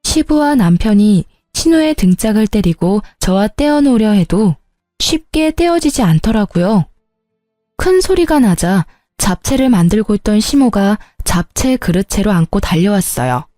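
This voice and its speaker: Calm mellow-voiced woman narrator. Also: medium pitch, moderate pace, no room sound, studio quality, faint music behind. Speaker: storyteller. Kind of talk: scripted narration.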